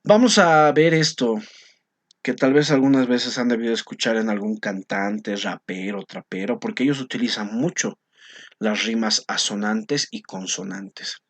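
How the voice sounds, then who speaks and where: A man's voice: on the low side, measured pace. A male teacher explaining poetry to his class, often checking in with short tag questions. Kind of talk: recorded class lesson on poetry.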